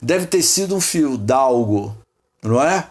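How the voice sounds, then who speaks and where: In an expressive, unhurried mid-range voice, a host from Salvador, Bahia, Brazil runs an informal spiritist study session. He tends to ramble and repeat himself, throws out rhetorical questions and calls on people by name.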